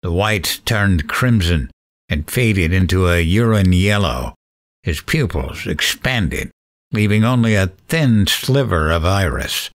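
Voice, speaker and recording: Slow, dramatic horror narrator. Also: male voice, low-pitched, animated, heavily acted. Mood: grim, awed. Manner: suspenseful, deliberate, theatrical. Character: frightened male late-night radio host recounting a monster encounter.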